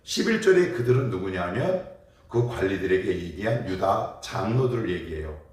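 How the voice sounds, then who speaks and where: Low-voiced pastor in a very echoey hall. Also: male voice, expressive, moderate pace. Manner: explains with rhetorical questions; acts out everyday dialogue. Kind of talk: morning prayer sermon. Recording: very echoey, mic far off.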